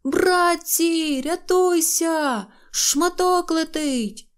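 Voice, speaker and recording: A woman doing a high, excitable little shorty boy. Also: measured pace. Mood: panicked. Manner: shouting in alarm, breathless exclamations. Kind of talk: audiobook character reading.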